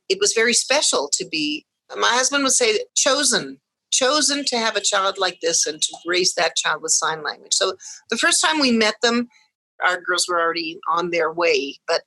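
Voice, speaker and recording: A woman speaking English as her first language, telling her family's story in a lively way as a guest on a podcast interview. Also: on the low side, no echo, low-quality recording. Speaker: guest, mother of deaf twins.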